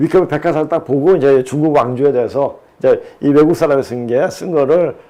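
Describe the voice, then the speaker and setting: This man's voice is fairly high in pitch with a dark, mellow tone, moving at a fairly quick pace. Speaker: lecturer on China and geopolitics. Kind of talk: lecture-style talk show. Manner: slightly slurred speech.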